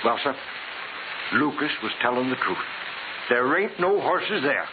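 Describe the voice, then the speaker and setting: A folksy country sheriff, tinny old recording. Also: male voice, medium pitch, very animated, a little slow. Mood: grave storytelling. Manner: folksy drawl with rustic grammar. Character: folksy rural farmer sheriff, plainspoken and wary. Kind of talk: 1940s radio acting. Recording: noisy, hissy, thin 1940s radio recording.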